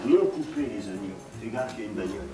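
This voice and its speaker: An actor playing an easygoing, chatty male accomplice who rambles unhurried. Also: on the low side, animated, dark tone, close to an everyday voice. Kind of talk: film acting. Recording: roomy film sound, distant mic, music.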